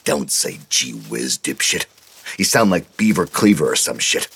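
A crude, foul-mouthed old scoutmaster grandpa with a gruff, low growl, as a man puts him on. His deep voice is husky and he spits out his words. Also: big pitch swings, a little slow, a bit bright, exaggerated voice. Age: older. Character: crude, gruff older scout leader, bigoted.

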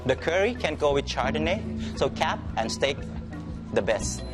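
A man's voice: fairly high pitch, lively intonation, measured pace. A man whose first language is Thai, a restaurant owner talking about his food and family in an interview, friendly with loose grammar. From Thailand. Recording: music bed behind.

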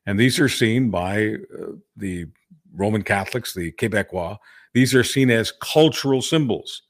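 Older Hungarian-born male co-host, low voice, earnest, repeats words as he works toward a point. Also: expressive, measured pace. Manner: earnest, repetitive restarts. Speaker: podcast co-host. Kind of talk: casual political discussion.

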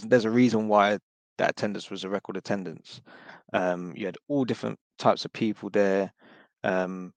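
A hoarse man with a low, gravelly voice rambles through his thoughts on a podcast panel, with plenty of fillers and restarts. The sound is dry and close. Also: no room sound. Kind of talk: casual chat.

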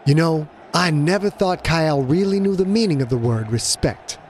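A man voicing a weary male ex-fighter who speaks in a low, dry, casual way. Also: normal speed, a little mellow, a little hiss or hum, lightly acted. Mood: wry.

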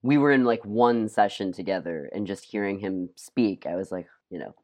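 An actor chatting casually as an interview guest, speaking haltingly and peppering sentences with "like". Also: low-pitched, darkish tone. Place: at home, remote session.

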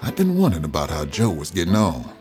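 Brief: older man narrating, very low voice with lively pitch, soft music under. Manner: slow, plainspoken, folksy. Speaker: narrator recalling his youth. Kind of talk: storytelling in an interview.

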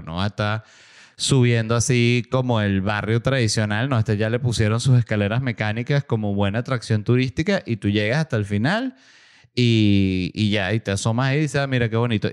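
Man, smooth clear voice, casual storytelling, animated quoted voices, small studio. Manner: animated, acts out quoted voices with big pitch jumps. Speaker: podcast host. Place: small home studio room.

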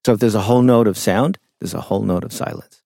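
A middle-aged man, a songwriter guest in an interview, talking in a reflective, unhurried way with frequent fillers. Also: on the low side, gravelly, warm tone, dry recording, studio quality. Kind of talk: conversational interview storytelling.

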